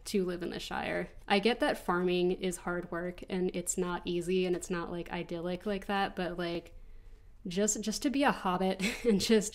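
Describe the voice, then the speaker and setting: A woman in her twenties with an American accent, stuffy from allergies, chatting casually as she answers viewer questions over gameplay. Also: lowish voice. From United States. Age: 20s. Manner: chatty, rambling, frequent ums and restarts. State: congested from allergies. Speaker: gaming channel host.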